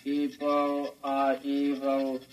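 An actor playing an obedient childlike male robot who speaks flatly and repeats what he is told, in a vintage radio drama. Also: medium pitch, drawn-out words, low-quality recording. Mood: droning. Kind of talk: 1940s radio acting.

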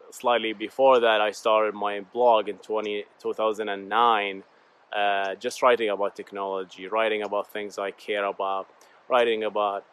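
A man's voice: fairly low pitch, fairly bright tone, clear, resonant tone. A man in his thirties from Bahrain, a native Arabic speaker with an Arabic accent, talking casually and in a rambling, informal way as a solo podcast host. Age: 30s. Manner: informal, rambling, addresses listeners as "guys". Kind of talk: casual solo talk, personal storytelling.

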